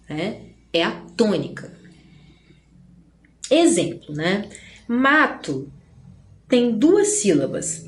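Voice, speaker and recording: A Brazilian woman teaches grammar in a relaxed, chatty way, checking in with her students through constant little asides. She slows down to stress syllables. Her voice sits at a medium pitch, and the recording has a roomy echo. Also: slight background noise. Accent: Brazilian Portuguese. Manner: chatty, frequent "né?" and "gente" asides. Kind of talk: online grammar lesson.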